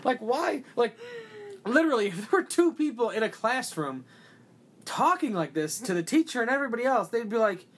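Casual podcast co-host, mid pitch, rambling, filler-heavy delivery. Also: very animated, brisk, husky. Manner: rambling, heavy use of "like", many restarts. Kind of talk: casual movie discussion.

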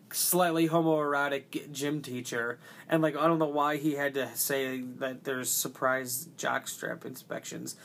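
Casual podcast co-host, mid pitch, rambling, filler-heavy delivery. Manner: rambling, heavy use of "like", many restarts. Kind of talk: casual movie discussion.

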